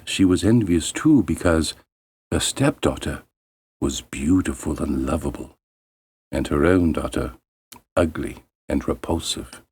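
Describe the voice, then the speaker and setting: A man narrating a bedtime fairy tale as a storyteller, in a measured, expressive and deliberate way. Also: extremely low pitch, breathy edge.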